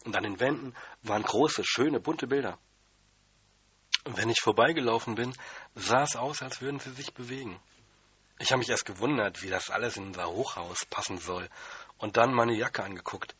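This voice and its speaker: A man's voice: medium pitch, normal speed, sharp tone, breathy edge, dry recording, lo-fi sound. A man reading a children's story aloud in the first person, in a plain, childlike manner. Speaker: audiobook reader.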